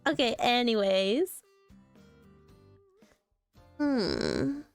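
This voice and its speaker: A young adult woman streaming casually, reacting to posts in a playful, animated way and laughing often. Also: a little high, very slow, vocal fry, soft background music.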